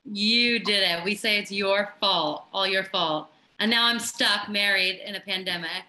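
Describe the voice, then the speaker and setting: A woman's voice: mid-range voice, unhurried, pushed and bright, low-quality recording. A young woman from Philadelphia, a guest actor, chatting playfully on a video call from home. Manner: playful, jokey. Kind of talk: casual chat on video call. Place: living room couch at home.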